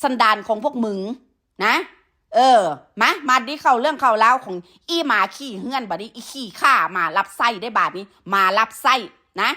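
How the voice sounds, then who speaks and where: Woman, Isan accent, high voice, angry online rant, scolds and insults, punctuates with "huh?" and "yeah.". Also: normal speed, sharp tone. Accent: Isan (northeastern Thai). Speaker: online content creator. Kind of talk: angry livestream rant to viewers.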